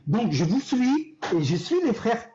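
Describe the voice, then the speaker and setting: A man's voice: extremely high pitch, very animated, a little slow, dark tone, highs cut off. A man calling into a heated live debate, defending himself with stammering restarts. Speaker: caller in an online debate.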